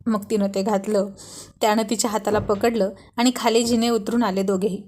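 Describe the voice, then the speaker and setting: A woman's voice: medium pitch, level tone, fairly quick, darkish tone. Woman narrating a love story.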